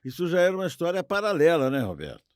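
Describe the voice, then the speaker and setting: A man's voice: fairly high pitch, huge pitch swings, rapid-fire. A Brazilian man co-hosting a podcast, chatting casually in short interjections. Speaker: podcast co-host.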